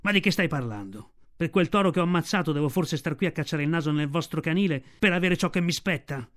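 A man's voice: fairly high pitch, expressive, quick pace, a bit bright. A man doing a menacing, arrogant male tiger. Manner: boastful, threatening.

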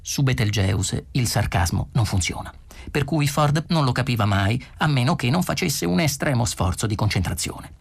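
Audiobook reader, husky-ish mid voice, really animated reading, lots of pitch swing. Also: moderate pace. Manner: expressive, with wide pitch swings. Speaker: audiobook narrator. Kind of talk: scripted narration of a comic novel.

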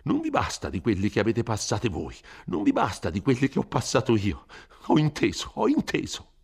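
A man's voice: sing-song, normal speed, creaky, breathy edge, exaggerated voice. A man doing a fretful old priest. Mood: exasperated. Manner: pleading, high-pitched, anxious, stammering.

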